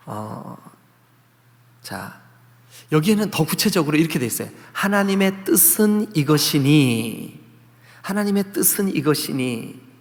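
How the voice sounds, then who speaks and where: A male pastor preaching a sermon, asking the congregation questions and acting out the voices he quotes. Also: a little high. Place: church sanctuary. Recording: church hall with long reverb.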